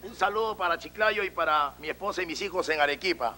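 A man comedian telling a joke in a lively way. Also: high voice, fast talker, a little hiss or hum. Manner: lively, shouts when acting out characters.

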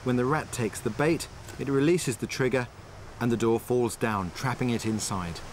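A man narrates a survival documentary in an even, mid-pitched voice. He works outdoors on a tropical island and explains traps and wild food one step at a time. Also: moderate pace, slight background noise. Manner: calm, explanatory, tells and shows step by step. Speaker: survival expert and presenter. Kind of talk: documentary narration and on-location demonstration.

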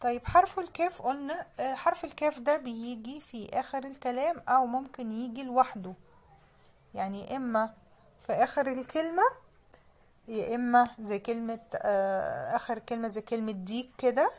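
A woman's voice: fairly high pitch, brisk, a little mellow. Patient woman teacher sounding out letters. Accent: Egyptian Arabic. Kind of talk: children's reading lesson.

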